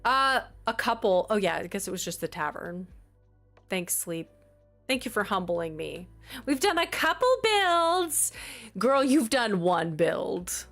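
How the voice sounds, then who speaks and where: A woman's voice: mid-range voice, sing-song, a little slow, a bit bright, soft background music. A woman chatting casually on a live stream, giggly and talkative as she greets and answers her chat.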